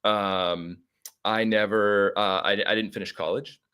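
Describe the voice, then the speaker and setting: A man's voice: fairly low pitch, steady tone, measured pace, pushed and bright, smooth. A middle-aged American man telling his story casually as a podcast guest, talkative and a little rambling. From United States (Arizona).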